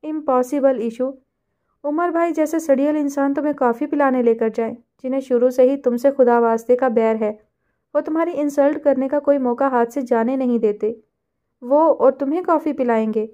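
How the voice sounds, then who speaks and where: A woman's voice: high voice, fairly even intonation, mellow, dull audio, lightly acted. A woman voicing a playful, mocking young woman friend in a storybook reading. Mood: teasing. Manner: teasing, mocking.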